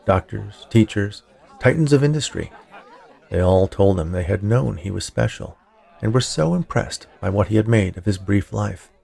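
A man's voice: fairly low pitch, expressive, normal speed, vocal fry, a little mellow, a faint crowd. A man narrating scripted fiction in an audiobook style, as the host of a story podcast.

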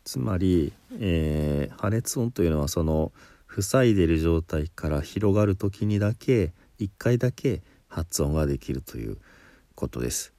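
A man's voice: deep voice, lively intonation, normal speed, dark tone, no room sound. A man teaching pronunciation in a patient spoken lesson, explaining step by step and demonstrating sounds.

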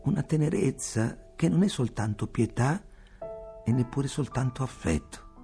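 A man reads a novel aloud for radio in a measured, expressive storytelling manner. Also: mid-range voice, gravelly, soft background music. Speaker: reader. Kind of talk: literary reading for radio.

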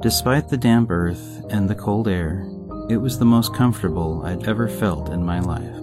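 Man, low voice, somber scripted horror narration, music underneath. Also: normal speed. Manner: somber, reflective storytelling.

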